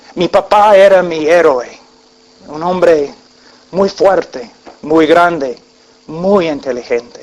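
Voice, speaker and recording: A man's high-pitched voice with ordinary pitch variation, at a very slow pace with long, frequent pauses, over noticeable background noise. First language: English (speaking Spanish). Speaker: preacher. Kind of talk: sermon. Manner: halting.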